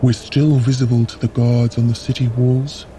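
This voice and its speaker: An actor playing a stern, composed palace giant in an audio drama, speaking in a formal, commanding way. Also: male voice, medium pitch, level tone, moderate pace, background noise, close to an everyday voice. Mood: measured, guarded.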